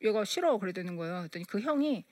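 A woman shares a heartfelt story as a mother, her pitch rising and falling in lively swings as she plays out each voice. The sound is close and dry, with no room around her. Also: a little fast, no echo. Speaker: mother telling a faith story to an audience. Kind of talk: personal storytelling talk.

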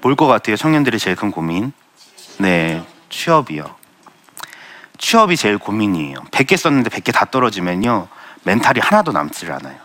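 Young male speaker, earnest testimony talk, bright tone, lively up-and-down delivery, lowish voice. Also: brisk. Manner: earnest, self-deprecating storytelling with light laughs. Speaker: Christian speaker sharing testimony.

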